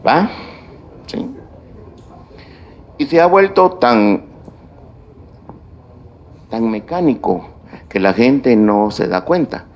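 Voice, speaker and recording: Slow, gravelly man lecturing. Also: mid-range voice, lively intonation, muffled recording. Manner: slow, deliberate delivery with stretched pauses and lists. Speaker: university lecturer. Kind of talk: classroom lecture on grammar and writing. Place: university lecture room.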